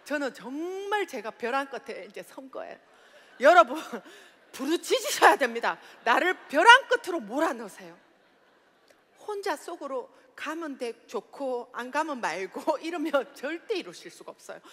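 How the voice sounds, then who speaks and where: High-pitched woman, seminar speaker, bright tone, hall reverb. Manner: loud, exclaiming, laughs often. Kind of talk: motivational seminar talk.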